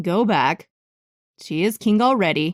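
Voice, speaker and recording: A woman's put-on character voice at a medium pitch and a moderate pace. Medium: read story. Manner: brief, formal.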